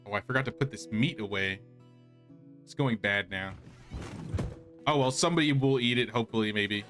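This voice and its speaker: A man's voice: on the low side, normal speed, a bit bright. Casual man streaming a game over music. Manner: rambling, thinking aloud. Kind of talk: casual gameplay commentary.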